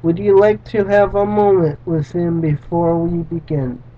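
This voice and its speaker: A man reading the lines of an old gray-haired male doctor, urgent and pleading, in a halting read-aloud way. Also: high voice, fairly even intonation. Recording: dull lo-fi recording.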